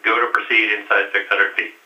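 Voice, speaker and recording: A man's voice: lowish voice, little pitch movement, fairly quick, pushed and bright, echoey room, recorded from a distance. A man giving terse, procedural mission control calls over a crackly space-to-ground radio link. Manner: clipped, procedural. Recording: noisy lo-fi radio loop from afar.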